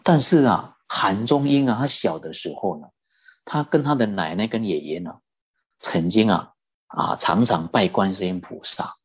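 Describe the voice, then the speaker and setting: A Buddhist teacher giving a dharma talk and telling a story in an animated way, stretching out particles like "oh" and "ah". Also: deep voice, moderate pace, slightly rough.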